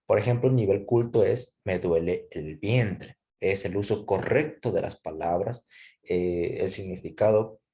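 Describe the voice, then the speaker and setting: A man's voice: lowish voice, normal speed, mellow. A man teaching a class, explaining step by step and often checking in with his listeners. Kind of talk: classroom lecture.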